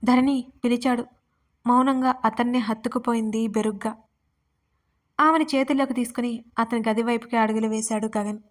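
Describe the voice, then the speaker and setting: A woman storyteller reading a romance story aloud in steady, even scripted narration. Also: on the high side, brisk.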